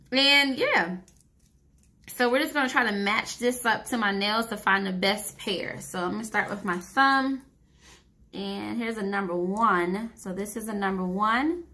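A young woman with a bright, forceful voice chats casually as she works through a home nail tutorial at a table. She thinks out loud and makes fun of her own lack of skill. Her pitch sits in the middle. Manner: chatty, self-deprecating, thinking aloud while working. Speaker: beauty vlogger.

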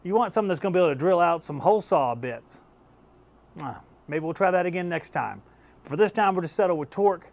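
With a high-pitched, slightly mellow voice, lively intonation and a quick pace, a YouTube host tests tools in his indoor home workshop lined with power-tool shelves. The review is casual and hands-on; he's chatty, easygoing, and laughs at his results, speaking into a lapel mic.

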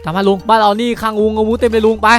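A man improvising dramatic game roleplay, excitable, repeating words rapidly and shouting warnings. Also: high voice. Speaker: player acting in a Minecraft roleplay cartoon. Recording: loud background music. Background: music.

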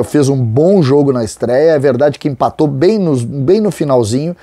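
A middle-aged host from Rio do Sul delivers opinionated football commentary in a chatty way, leaning on drawn-out words to make his points. His voice is mellow and dark in tone. It is recorded dry and close on a lapel mic in a small studio. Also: mid-range voice, no room sound. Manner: conversational and opinionated, with drawn-out emphasis on key words. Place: small studio with a branded backdrop, indoors.

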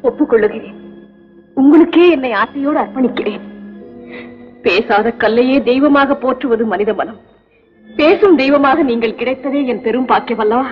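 An actress playing a learned, devout young princess in a 1960s film, speaking in formal literary speech. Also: female voice, high voice, moderate pace, natural voice. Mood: devoted. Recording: dull old film soundtrack with music.

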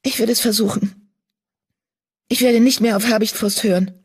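A woman's voice: fairly even intonation, moderate pace, husky. A woman voicing an anxious, guilt-ridden young female medicine cat in an audiobook, pleading and distressed. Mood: resolved. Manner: pleading, distressed, voice raised high. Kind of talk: audiobook character voice.

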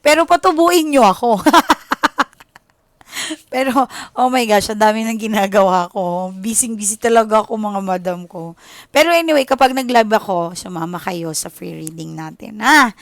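A Filipino woman with a Filipino accent gives a casual tarot reading, chatting with her viewers in a blend of Tagalog and English and often asking "okay?". Her voice is medium-pitched with lively intonation at a normal speed, recorded dry.

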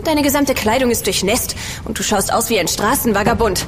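A woman's voice: on the high side, brisk, slight background noise, natural voice. A woman playing a scolding lady of the manor. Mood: reproachful. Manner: nagging, reproachful. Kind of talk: German radio drama acting.

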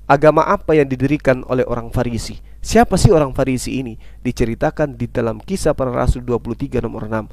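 A man's voice: medium pitch, quick pace, vocal fry, few pauses, dry recording. A man preaching in an emphatic debate style, citing scripture and firing repetitive rhetorical questions that he answers himself. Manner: forceful, insistent delivery. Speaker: Islamic preacher in interfaith debate.

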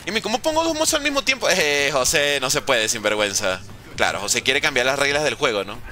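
Streaming from home in a room with a window, a Venezuelan man plays games while casually reading out chat and joking with his viewers. He speaks at a medium pitch, very animated and fairly quick, with a pushed, bright tone over soft background music.

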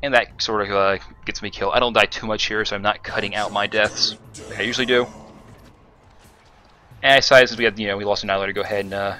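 Bright-voiced man narrating his gameplay. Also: fairly low pitch, steady tone, fast talker, slight background noise. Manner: rambling, many fillers and self-corrections. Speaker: gaming commentator. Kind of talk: casual gameplay commentary.

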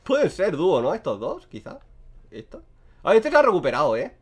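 A man from Spain commentating his own gameplay, excitable and swearing freely as he talks to himself and his viewers. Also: high voice, brisk, slightly rough. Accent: Spain Spanish. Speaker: gaming streamer.

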